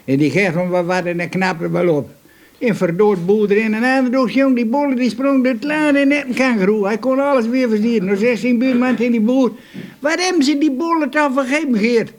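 High-voiced male joke teller, lively. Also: a little fast. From Winschoten, Groningen, Netherlands. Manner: lively, chuckling at his own punchlines. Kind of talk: telling jokes for radio.

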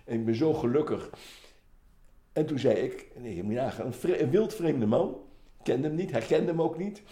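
A man in his eighties from the Netherlands, giving personal testimony, halting with frequent restarts and lively when retelling scenes. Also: medium pitch. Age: 80s. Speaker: interviewee.

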